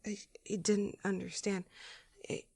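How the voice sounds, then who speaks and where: A woman playing a gruff, weakened female space courier in an audio drama, terse, grumbling and strained. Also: medium pitch, level tone, measured pace, a little mellow. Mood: irritated, wistful.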